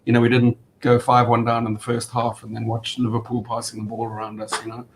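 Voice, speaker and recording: Hesitant man with flat delivery, faint rumble. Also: fast. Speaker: football fan panellist. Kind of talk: casual post-match analysis. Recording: faint rumbling background noise.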